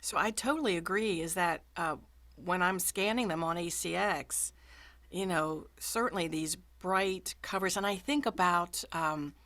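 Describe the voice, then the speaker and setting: A woman's voice: on the low side, measured pace, fairly bright tone. A woman audiobook narrator hosting a casual video call chat, talking with plenty of ums and friendly encouragement.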